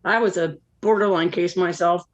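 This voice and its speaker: A woman playing a jilted, world-weary Catholic woman confessing in a one-act play, candid and rueful with deadpan asides. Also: on the low side, normal speed, muffled recording, close to an everyday voice. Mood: wry, reminiscing.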